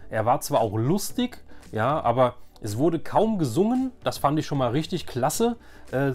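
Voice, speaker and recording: A man's voice: medium pitch, a little mellow. Nostalgic, rambling man with faint music behind. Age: 40s. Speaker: YouTube host. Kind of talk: casual nostalgic vlog chat about collecting.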